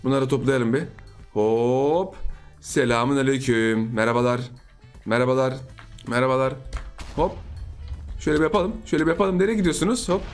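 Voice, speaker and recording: A man's voice: mid-range voice, brisk, pauses often, soft background music. A young man giving playful, chatty commentary over his own gameplay, repeating phrases and laughing often. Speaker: gaming YouTuber.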